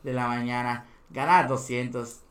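His voice is medium-pitched and fairly bright, with fairly even intonation at a normal speed. He's a young podcast guest with a Mexican Spanish accent, recorded in an echoey room, spinning casual stories, laughing frequently, and doing voices for the people in them.

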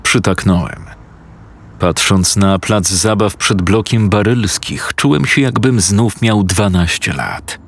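Deep-voiced man for a measured creepy story reading, unhurried. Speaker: narrator. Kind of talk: horror story narration.

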